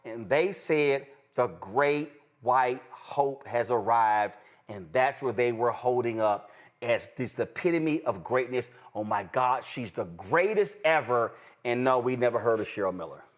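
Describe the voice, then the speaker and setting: A man with a Texan accent hosting political commentary, emphatic, jumping between high exclamations and low asides. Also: expressive, measured pace. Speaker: host.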